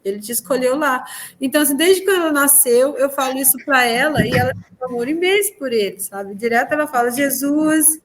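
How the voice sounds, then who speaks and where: A woman telling a personal spiritual testimony in an interview, animated and acting out the dialogue she recalls, with frequent tag questions. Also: sits high, fast talker, few pauses.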